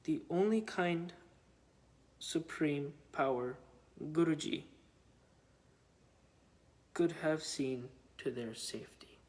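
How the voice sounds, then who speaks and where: Guy reading a devotional story out loud, really slow and halting, voice a bit on the high side. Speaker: reader of devotional testimonies. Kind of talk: slow read-aloud of a written devotional account.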